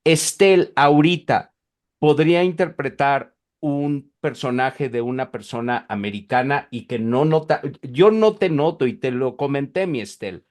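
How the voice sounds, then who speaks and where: A man's voice: medium pitch, a little slow, a little mellow. A man from Mexico with a Mexican accent, hosting a podcast interview and often repeating words as he talks. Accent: Mexican Spanish. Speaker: podcast host. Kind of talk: casual interview.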